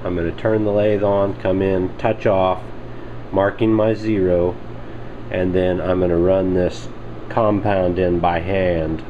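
Deep-voiced man explaining in a noisy workshop. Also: dull audio. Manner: plain step-by-step explaining, unhurried. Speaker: hobby machinist reviewing a tool. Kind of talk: casual workshop demonstration. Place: home workshop with lathe and bench. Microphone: handheld camera mic, speaker off screen.

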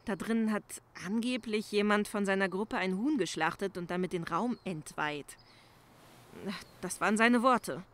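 A woman's voice: mid-range voice, normal speed, a bit bright, close to an everyday voice. A woman playing an anxious young crime-scene cleaner in a crime audio drama, speaking hesitantly and urgently, pleading. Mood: uneasy. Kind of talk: German crime audio drama acting, conversational.

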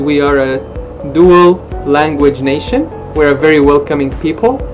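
A man in his thirties, native Armenian speaker, giving an expressive, informational talk to camera from a small room. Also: fairly high pitch. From Middle East, Arabic-speaking country. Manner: lively, expressive, gestures with hands. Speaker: language school presenter. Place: small indoor room, plain wall. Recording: dull lo-fi webcam audio with music behind.

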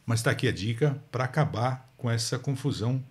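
A man with a São Paulo Portuguese accent hosting a language podcast in a lively, chatty way. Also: medium pitch, fairly quick, breathy edge. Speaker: host. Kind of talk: casual chat.

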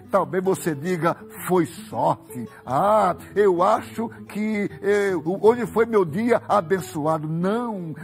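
A middle-aged man delivers a fervent, emphatic devotional sermon with dramatic pauses and repetition. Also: sits high. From Brazil. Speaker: evangelist preacher. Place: TV studio set like a living room. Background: soft guitar music.

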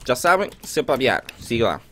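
Congested Portuguese gamer, fast and lively. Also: male voice, mid-range voice. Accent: European Portuguese. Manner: fast, excitable, laughs a lot, swears casually. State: congested with a cold. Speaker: gaming host. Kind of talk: casual gameplay commentary. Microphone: headset.

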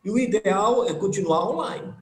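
High-voiced middle-aged man on a roomy call. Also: normal speed. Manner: hesitant, restarting. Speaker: union president. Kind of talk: video call interview.

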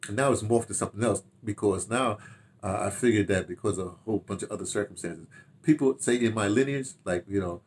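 An American man in his seventies reminiscing casually to camera in an animated, rambling way, with repeated phrases and asides. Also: fairly low pitch, quick pace. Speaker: audio dramatist and theater director telling his memoirs. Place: small home study, indoors.

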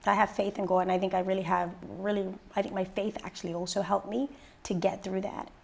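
A woman in her thirties from Bermuda, a radio personality and mentor, telling her story in a sit-down interview with lively, rising energy. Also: quick pace, gravelly. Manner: lively storyteller, rises high when excited. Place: living room set indoors.

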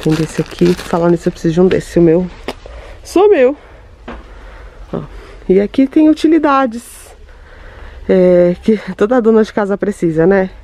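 Showing off items in a home goods store for her vlog, this Brazilian woman sounds enthusiastic and chatty, often talking directly to viewers. She speaks at a normal speed in a warm, medium-pitched voice with lively intonation.

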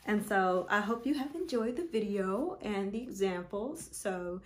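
A woman in her thirties with an African American accent, giving an informal explainer and reading examples from a book in a thoughtful, halting way. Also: medium pitch, animated. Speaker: presenter of an educational video. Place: small indoor room, seated before a wall.

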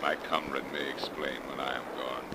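An actor playing a cursed sea captain, solemn and archaic, in 1930s radio drama style. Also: male voice, extremely low pitch, little pitch movement, moderate pace. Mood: solemn farewell. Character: cursed, anguished old ghostly sea captain, archaic and tender. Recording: noisy 1930s radio broadcast recording.

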